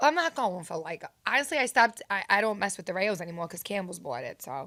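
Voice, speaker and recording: Animated and very fast, a woman with a strong New York accent speaks at a medium pitch in a bright, sharp tone, with very wide pitch swings and big swings in loudness. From New York City, Brooklyn. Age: 30s. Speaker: food content creator. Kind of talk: casual chat.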